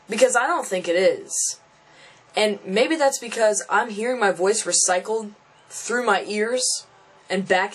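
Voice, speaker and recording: A man's voice: sits high, breathy edge. A young transgender man venting casually to camera, frustrated and thinking aloud, often restarting and repeating phrases. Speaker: vlogger.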